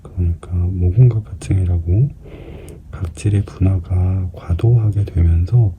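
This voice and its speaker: A man giving a casual explanatory commentary as a skin care practitioner at work, hesitant at times and now and then dropping to a soft murmur. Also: low-pitched, unhurried. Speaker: skin clinic practitioner narrating an extraction procedure. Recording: clearly noisy room recording.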